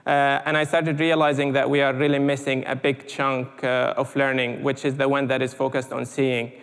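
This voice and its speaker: A man from Syria speaking in a lecture hall, with a gravelly voice and a flat, even delivery. He halts often, with many "uh"s and repeated words. A long reverb trails his speech. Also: medium pitch, normal speed. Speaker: panel speaker. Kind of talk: conference talk.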